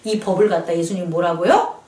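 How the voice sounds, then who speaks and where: A woman's voice: fairly low pitch, quick pace. A woman pastor preaching a sermon, drawing answers from her congregation with questions. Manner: animated preaching with call-and-response questions. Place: small church. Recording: echoey church hall, mic at a distance.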